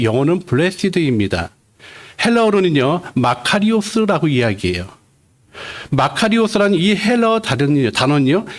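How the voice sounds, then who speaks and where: Guest pastor, middle-aged man, animated sermon delivery with a rather high pitch and questions to the congregation. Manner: explains words step by step, asks the congregation questions.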